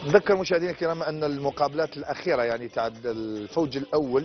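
A man speaks at a moderate pace in a fairly high pitch, with ordinary pitch variation. Faint music plays in the background. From Algeria. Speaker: sports TV host; TV presenter. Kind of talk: studio football debate. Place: studio. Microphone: lapel.

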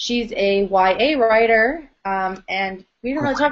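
A woman is speaking. She has a plain, everyday voice. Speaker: writer and co-host. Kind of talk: casual chat over brunch.

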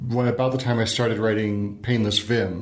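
An American accent with ordinary pitch variation and audible room echo. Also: man. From Idaho, US. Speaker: programmer and author. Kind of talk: interview.

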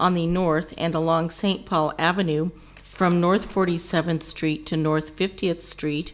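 Her voice is fairly low for a woman, and her intonation stays fairly even. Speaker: council clerk. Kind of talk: formal reading into the record. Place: hall. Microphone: podium.

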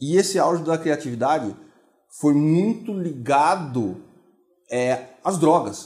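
A man's fairly high voice, dark and mellow in tone, with vocal fry, lively intonation, a very slow pace and a quiet background. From Brazil, São Paulo state (Americana). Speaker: musician and entrepreneur. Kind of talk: interview. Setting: studio. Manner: hesitant, with repetitions. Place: studio. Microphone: lapel.

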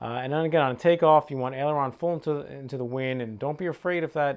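Against a quiet background, a man speaks at a moderate pace. His pitch variation is ordinary. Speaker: pilot instructor. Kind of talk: tutorial. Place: home room.

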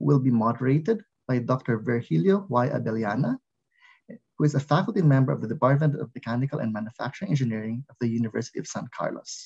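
Against a quiet background, a man speaks at a fairly quick pace in a dark, mellow tone that is somewhat breathy. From Philippines. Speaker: associate dean of engineering. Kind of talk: opening speech. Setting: webinar. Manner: formal. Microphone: webcam.

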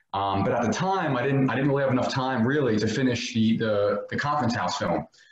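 Room echo is audible, though the background is quiet. A man talks at a fairly quick pace with ordinary pitch variation. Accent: American. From Staten Island, New York. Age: 20s. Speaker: documentary filmmaker. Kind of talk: panel discussion. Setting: video call. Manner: repetitive stammering starts. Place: home room. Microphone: video call.

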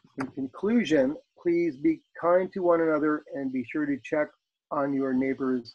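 Delivered at a moderate pace, the speech has fairly even intonation. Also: man. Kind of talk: meeting chair announcements. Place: home room. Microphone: video call.

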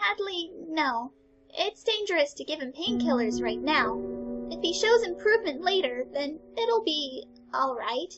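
In a put-on character voice, a woman talks at a high pitch and moderate pace while faint music plays in the background. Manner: worried then clinical.

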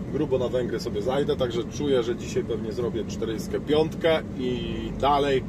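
A man speaks at a fairly slow pace over loud background noise. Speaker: truck driver vlogger. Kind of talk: casual vlog chat. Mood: relaxed, upbeat. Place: car. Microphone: phone near.

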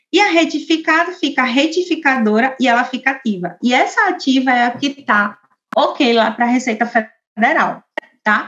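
A woman talks at a moderate pace in a high pitch with lively intonation. Her loudness stays very even over a quiet background. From Brazil. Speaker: accounting teacher. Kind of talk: online class. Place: home room. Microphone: webcam.

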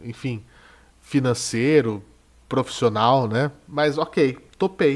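Pausing long and often, a man speaks at a very slow pace with a medium pitch and ordinary pitch variation. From Araraquara, São Paulo state, Brazil. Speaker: radio journalist and stand-up comedian. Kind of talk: interview.

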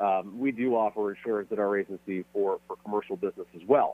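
A man talks at a moderate pace in an unremarkable speaking voice, pitched fairly low. The sound is dry, with no echo. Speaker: insurance agent. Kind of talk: radio interview. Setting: phone call. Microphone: phone line.

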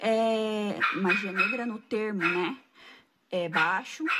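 A woman talks with a Brazilian accent. Noticeable background noise runs behind her. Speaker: video creator sharing spiritual stories. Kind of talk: ghost story telling, first-person account of a family supernatural tale. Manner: hushed, suspenseful and earnest, with a solemn storytelling cadence; emotional, stressing vivid details. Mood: earnest, intimate storytelling. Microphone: phone near.

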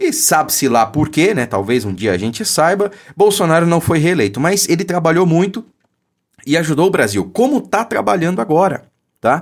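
A man's high-pitched voice with a Brazilian accent, very wide pitch swings and a moderate pace, on a very clean recording with a silent background. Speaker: political commentator. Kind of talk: angry political rant. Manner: indignant, sarcastic, emphatic; urgent, preachy, pleading for shares.

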